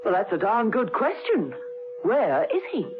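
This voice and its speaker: A woman playing a brisk, direct young agent's colleague in a radio drama. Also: mid-range voice, wildly swooping pitch. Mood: puzzled, insistent. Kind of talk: 1970s radio drama acting. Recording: tinny old radio, music behind.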